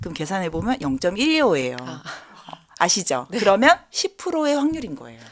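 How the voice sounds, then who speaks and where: Very wide pitch swings and big swings in loudness at a fairly slow pace. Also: woman, medium pitch for a woman. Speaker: asset management executive. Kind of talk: explanatory interview.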